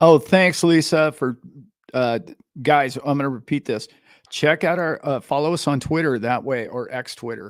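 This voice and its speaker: In a plain, everyday voice, a man with a fairly high pitch and ordinary pitch variation speaks at a moderate pace on a very clean recording with a silent background. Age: 60s. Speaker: live stream host. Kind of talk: casual chat. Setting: live stream.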